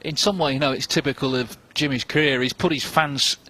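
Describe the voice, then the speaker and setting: A man's voice: mid-range voice, steady tone, brisk, pushed and bright. A man giving live snooker commentary as a match commentator. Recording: crowd ambience and noise behind. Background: snooker arena crowd and ambience.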